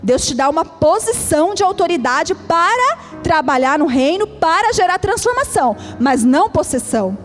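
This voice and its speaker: A woman's voice: very high voice, sing-song, moderate pace. A woman pastor with a Brazilian Portuguese accent, preaching a sermon in an emphatic, repetitive cadence. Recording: reverberant hall with faint music.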